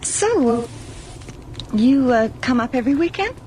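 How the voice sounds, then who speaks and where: Lively, high-voiced young city woman. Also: faint music behind. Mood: uneasy, hesitant. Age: young adult. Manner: talkative, hesitant, halting. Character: chatty, uneasy young city woman, college student. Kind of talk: old-time radio drama acting.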